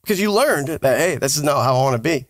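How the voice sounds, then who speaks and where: A man's voice: fairly high pitch, expressive, fast, no echo, studio quality. A middle-aged American man casually interviewing a guest as a podcast co-host. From United States, raised up north then moved to the South.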